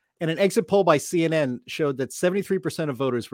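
At a very fast pace, a man talks with lively intonation in a dry, close sound with no echo. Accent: American. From Pennsylvania, Pittsburgh. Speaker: think tank executive. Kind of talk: political panel discussion.

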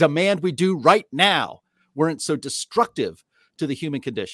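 A man with a normal speaking voice and a fairly high pitch talks at a moderate pace with lively intonation, on a very clean recording with a silent background. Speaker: think tank executive, co-host. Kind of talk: casual panel discussion.

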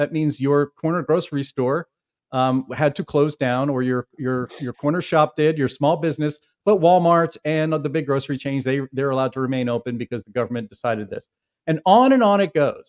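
Against a quiet background, a man talks at a fairly quick pace in a plain, everyday voice, fairly high in pitch with ordinary pitch variation. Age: 50s. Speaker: think tank vice president. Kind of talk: casual chat.

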